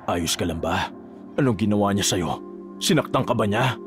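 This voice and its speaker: A grim young aswang hunter speaks in a low, even, stern voice, as a male storyteller puts him on. The telling stays lively and animated, with faint music underneath. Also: moderate pace, natural voice. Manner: low, steady, stern; shouts in a rage when calling out.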